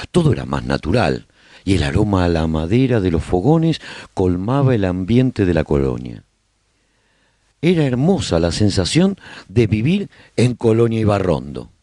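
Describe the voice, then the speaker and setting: A man playing a nostalgic survivor who chronicles colony life in a radio serial, with measured, expressive storytelling. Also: deep voice, no echo, full character voice. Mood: nostalgic, reflective. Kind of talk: scripted first-person radio drama narration.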